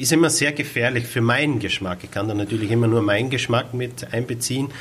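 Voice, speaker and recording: A man speaks at a fairly quick pace in a normal speaking voice, medium in pitch with fairly even intonation. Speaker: head chef. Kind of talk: interview. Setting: in the restaurant.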